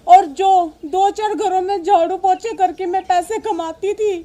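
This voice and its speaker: A woman's voice: very high-pitched, a little slow. A woman playing a poor, despairing, long-suffering mother in a melodrama, with a pleading, lamenting delivery. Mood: tearful, despairing. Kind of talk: melodramatic Hindi drama acting.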